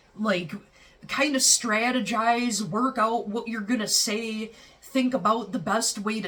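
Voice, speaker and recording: Noticeable background noise accompanies a fairly slow delivery. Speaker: tarot reader. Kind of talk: tarot reading. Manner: casual, thinking aloud.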